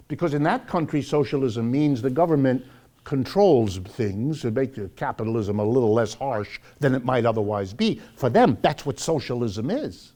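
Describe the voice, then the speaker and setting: A man giving an informal public lecture, speaking emphatically with rhetorical questions and deliberate pauses. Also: mid-range voice, mellow. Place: live talk before an audience.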